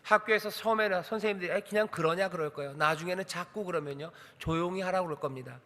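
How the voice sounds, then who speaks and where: Male pastor, high bright voice, emphatic sermon delivery, echoing church hall. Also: quick pace. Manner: emphatic preaching with rhetorical questions. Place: church sanctuary.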